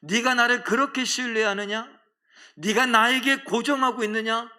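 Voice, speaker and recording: A man's voice: very high-pitched, steady tone, normal speed, bright, forceful tone, voice pushed up, full character voice. A male pastor voicing God as a solemn, commanding male figure who declaims his promises. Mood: exalted.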